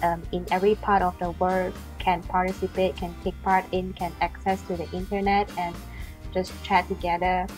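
A woman's voice: fairly low pitch, flat delivery, normal speed, faint music behind. A woman in her twenties, a student being interviewed casually on a video call.

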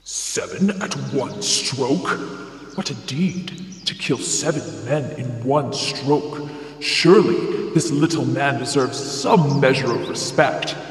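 An actor as a slow, echoing storybook giantess. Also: mid-range voice, close to an everyday voice. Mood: grudging respect. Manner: slow, scornful, archaic speech. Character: powerful, scornful female giant, slow and booming. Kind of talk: storybook audio drama acting. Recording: very echoey, long reverb.

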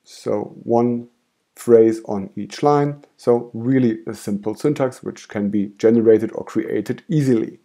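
A man with a German accent, a native German speaker, calmly explaining software steps in a screen-recorded tutorial. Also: medium pitch, a little slow. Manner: calm step-by-step explaining. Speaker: tutorial host.

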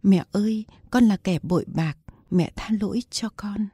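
An earnest young soldier home from the front speaks up in a raised, lifted voice , as a woman narrator reads him. His tone is husky and dark, recorded close and dry for a storybook. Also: mid-range voice, moderate pace, no echo, pitched above the performer's own voice, lightly acted. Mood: pleading. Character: young man, soldier back from war, emotional.

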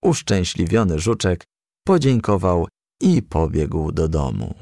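Slow, deep-voiced male storybook narrator. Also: no echo, studio quality. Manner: expressive, measured storytelling. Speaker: audiobook reader. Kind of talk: scripted storybook narration for children.

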